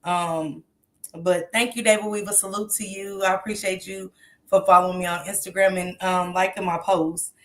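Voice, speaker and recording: A woman's voice: lowish voice, fairly even intonation, moderate pace, a bit bright. A woman with a stuffy nose hosting a casual livestream, chatting straight to her viewers with lots of ums. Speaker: true crime commentary host.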